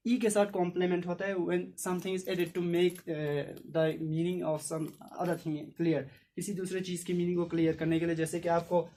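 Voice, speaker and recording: A male teacher giving a classroom English lesson, explaining in Hindi and reading English example sentences slowly. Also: high-pitched, darkish tone. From Ladakh, India.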